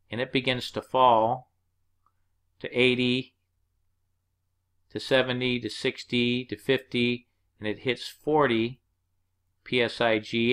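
This man has a mid-range, clean voice with a fairly bright tone. As an HVAC instructor presenting slides, he explains things plainly and works through the figures step by step.

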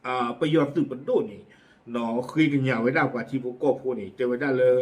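This man's mid-range voice moves fast as he delivers community news in a relaxed, chatty style. His casual spoken commentary is full of fillers and asides.

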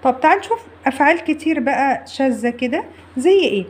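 Teaching an online English grammar lesson, a young woman with an Egyptian Arabic accent explains each step in turn and repeats important words slowly. She speaks expressively, with a voice that sits high.

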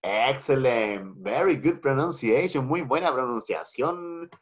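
A Chilean man teaching English over a video call, his voice a little husky. He is patient, mixes Spanish with English and repeats himself often. The call audio is muffled and lo-fi. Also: mid-range voice, animated, takes it slowly. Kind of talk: online class teaching. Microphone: computer mic on a video call.

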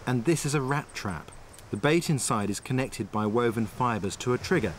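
A man presenting a survival documentary outdoors on a tropical island. He calmly explains and demonstrates each step. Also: medium pitch, moderate pace, slight background noise. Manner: calm, explanatory, tells and shows step by step. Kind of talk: documentary narration and on-location demonstration.

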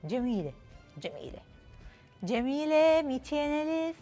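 A woman's voice: high-pitched, big pitch swings, moderate pace, mellow. A young woman with an Iraqi accent hosting a TV call-in game show in a playful, effusive way, often repeating her phrases. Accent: Iraqi Arabic. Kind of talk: lively game show presenting. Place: TV studio. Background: music.

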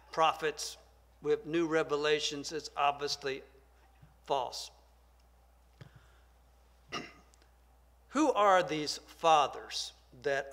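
Older Southern man, soft-spoken Bible teacher at a lectern mic, slightly high voice, church room reverb. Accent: Southern American. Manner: soft-spoken, measured and deliberate, reads scripture aloud. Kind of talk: Bible study lecture. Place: church classroom, at a wooden lectern. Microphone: lectern microphone.

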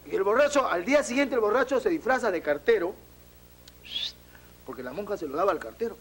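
High-voiced man hosting a joke round. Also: expressive, fairly quick, fairly bright tone, slightly rough. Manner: playful, acts out characters in jokes. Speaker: comedian host. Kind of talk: stand-up joke telling.

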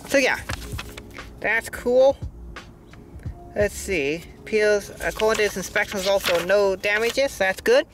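A man casually unboxing model planes outdoors at an airport, chatty and easily excited, filmed on a tripod-mounted phone. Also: high voice, a little slow, long pauses, music in the background, poor audio. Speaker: aviation YouTuber.

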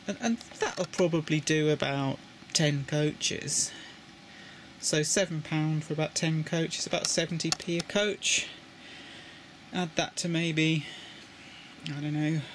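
British man giving a halting hobby tutorial. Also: a little high, a bit bright, a little hiss or hum. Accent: British English. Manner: halting, repeats words while handling parts. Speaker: model railway hobbyist. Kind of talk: casual hands-on tutorial. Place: indoors at a table with a model railway.

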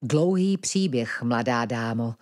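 A woman voicing a wise old male ferret who lives in hiding, speaking low and deliberately. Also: lively intonation, darkish tone. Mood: calm.

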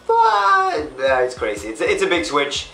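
A young man from Sweden vlogs from his desk, rambling along with plenty of "uh" and "yeah". His voice has dropped rough and deep after a night out. The small room rings back a little, and faint music plays underneath. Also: wildly swooping pitch, moderate pace, pushed and bright, roomy sound. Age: young adult. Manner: rambling, chatty, many fillers. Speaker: gaming vlogger. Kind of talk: casual vlog to camera. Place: small bedroom desk setup, indoors.

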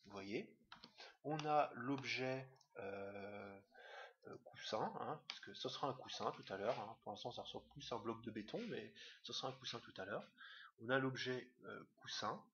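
A man teaching a screen-recorded software tutorial, talking fast and hesitantly with many fillers. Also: medium pitch. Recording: dull lo-fi mic with faint hiss.

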